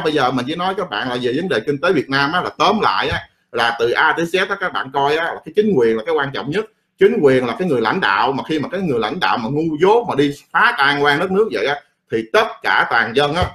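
A man's voice: mid-range voice, sing-song, fast, bright, forceful tone. A middle-aged man who rants about politics in a casual, blunt and profane way, rambling and repeating himself. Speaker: political commentator.

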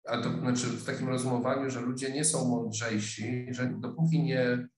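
Over a webcam video call, a middle-aged sociology lecturer speaks from his office, pausing thoughtfully and often restarting or filling gaps. The pitch is ordinary, the intonation fairly even, and the voice a little mellow. Noticeable room echo and soft background music are present.

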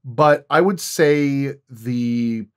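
A man talking casually as a guest sound designer, in a halting, hesitant way. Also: mid-range voice, clean tone. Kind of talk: casual roundtable chat.

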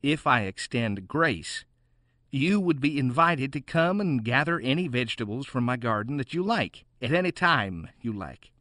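A man playing a gentle, merciful gardener who speaks in a formal, old-fashioned way in an audio drama. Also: mid-range voice, sing-song, normal speed, no room sound, studio quality. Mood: kindly, solemn.

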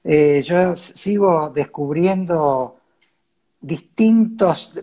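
Husky Cordoba Argentine man hosting. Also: fairly high pitch, drawn-out words, dark tone. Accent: Cordoba Argentine Spanish. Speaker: interview host. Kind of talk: conversational interview. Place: video call.

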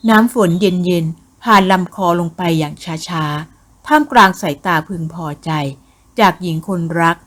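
A woman narrating a Thai ghost novel as an audiobook, with a measured, expressive reading. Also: lowish voice.

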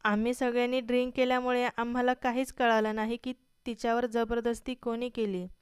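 A woman's voice: a little high, flat delivery, a little fast, smooth, no room sound, clean studio sound, lightly acted. A woman voicing a frightened young man who pleads through tears in a storybook reading. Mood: pleading, tearful. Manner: pleading, crying.

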